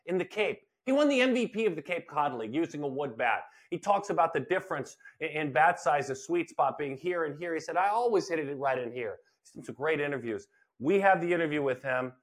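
An older man, a baseball broadcaster, co-hosts a baseball podcast in a fairly high, expressive voice at a slightly quick pace. The talk is casual and animated sports chat, and he often repeats phrases for emphasis.

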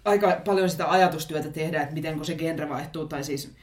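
Woman co-host, playful banter, roomy echoey sound. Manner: playful, animated, jokey pitches. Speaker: podcast co-host. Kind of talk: casual chat. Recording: roomy echo.

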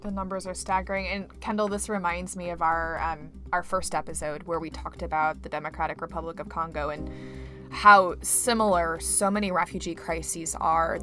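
A woman co-hosting a podcast, her voice a little low, with faint music sometimes underneath. She introduces and praises her guest with open enthusiasm before warmly asking him questions. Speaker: podcast co-host.

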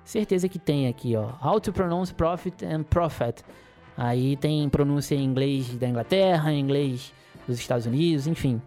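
A man's voice: fairly high pitch, normal speed, mellow, soft background music. A man, hosting a casual solo podcast in a rambling, chuckling, playfully griping way. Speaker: podcast host.

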